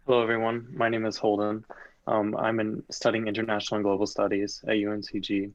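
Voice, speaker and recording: Flat low young man, muffled dry audio. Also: a little fast, no echo. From western North Carolina. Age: young adult. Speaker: student panelist. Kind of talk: casual Q&A answers.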